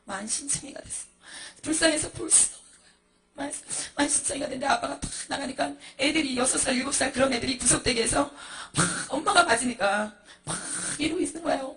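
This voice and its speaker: A woman's voice: sits high, gravelly, fairly bright tone. A woman pastor giving an emotional, dramatic testimony sermon, acting out the people in her story.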